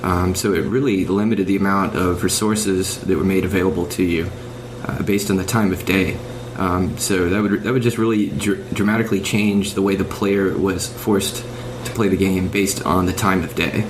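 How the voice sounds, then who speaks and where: A man with a deep voice offers analysis on a podcast panel. He speaks in measured, halting phrases, and a steady noise sits clearly behind him. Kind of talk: casual analytical discussion. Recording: noisy hobby podcast with steady hum.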